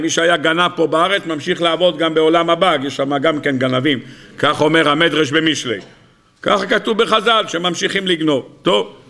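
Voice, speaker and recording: A man, a rabbi, teaching a Torah lesson to an audience, firing rhetorical questions in a teasing, animated way. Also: a little high.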